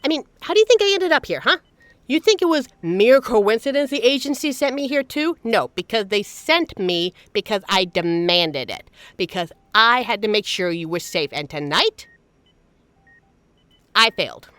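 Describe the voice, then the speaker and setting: A woman's voice: medium pitch, very animated, normal speed, fairly bright tone, no room sound. A woman playing a fiercely protective secret agent in an emotional, emphatic dramatic audio roleplay. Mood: anguished, frustrated. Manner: emotional, scolding, emphatic, swearing. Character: normally suave female secret agent, fiercely protective, angry and anguished. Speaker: voice actor in a scripted audio roleplay.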